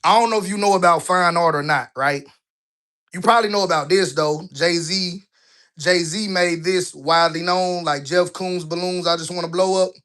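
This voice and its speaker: Guy in his 30s walking thru his offices, kinda out of breath, high bright voice, keeps going "right?". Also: normal speed. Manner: conversational, asks rhetorical "right?" often; colloquial, relaxed grammar. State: a bit out of breath while walking. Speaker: business vlogger. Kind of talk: casual walking vlog. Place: indoors, walking through his office building.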